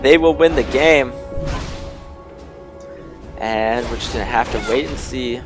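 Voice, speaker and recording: A young man giving amateur play-by-play commentary on a video game, getting excitable and loud during fights. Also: medium pitch, unhurried, over music.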